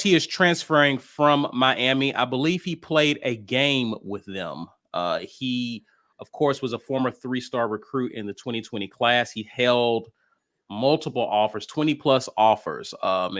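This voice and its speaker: A man's voice: mid-range voice, a bit bright. A man hosting a sports talk show, moving between casual banter and recruiting news in an informal way.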